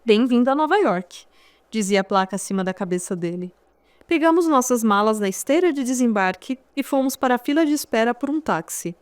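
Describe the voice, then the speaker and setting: Dry, higher-voiced Brazilian woman narrating. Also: expressive, fairly quick, no echo. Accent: Brazilian Portuguese. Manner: conversational storytelling, wry asides to the listener. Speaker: audiobook narrator. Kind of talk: first-person memoir audiobook narration.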